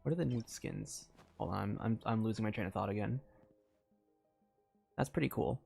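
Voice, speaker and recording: A man's voice: fairly low pitch, moderate pace, gravelly, a little mellow. Rambling male game streamer, music behind. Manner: rambling, distracted, thinking aloud. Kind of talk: casual live stream chat while gaming. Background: video game music.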